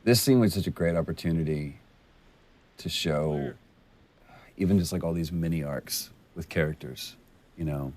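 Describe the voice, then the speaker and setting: A man's voice: extremely low pitch, moderate pace, long pauses, darkish tone. A man doing developer commentary who talks with enthusiasm and admiration about the scenes. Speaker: game creator in commentary.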